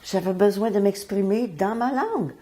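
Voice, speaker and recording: A woman's voice: medium pitch, normal speed, dark tone. A woman author with a Franco-Ontarian French accent, speaking reflectively in an interview.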